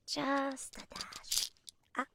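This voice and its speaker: A woman doing a soft-spoken ASMR roleplay as a kindly, absent-minded witch, murmuring to herself in a breathy whisper. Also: very slow, heavy background noise. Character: scatterbrained, kindly witch brewing potions for a customer.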